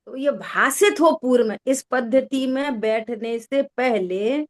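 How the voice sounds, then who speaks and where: A woman's voice: on the high side, slow. A woman giving a religious discourse to listeners, often asking whether they follow and repeating key words. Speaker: spiritual teacher. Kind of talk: slow religious discourse with listener check-ins.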